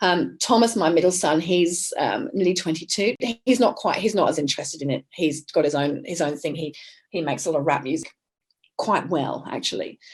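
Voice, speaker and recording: A woman's fairly low voice with an Australian accent, lively intonation and a fairly quick pace. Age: 40s. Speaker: nurse and community theatre director. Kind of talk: podcast interview.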